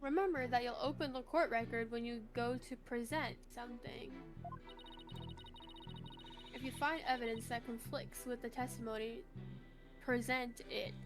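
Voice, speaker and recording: A woman's voice: a little high, fairly even intonation, moderate pace, pauses often. A woman co-hosting a let's play, bantering casually and reading game dialogue aloud. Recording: clear game music behind. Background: video game music.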